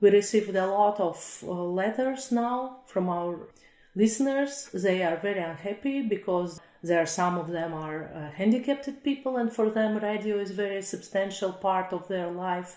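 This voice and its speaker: Against noticeable background noise, a woman with a Russian accent speaks at medium pitch and a moderate pace, with ordinary pitch variation. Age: middle-aged. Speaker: radio editor-in-chief. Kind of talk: interview.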